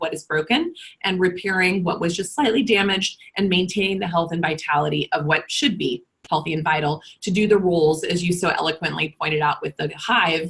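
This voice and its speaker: Speaking with an American accent, a woman uses a fairly low pitch with ordinary variation. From US Midwest, Kansas. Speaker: naturopathic doctor. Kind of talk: webinar interview explanation.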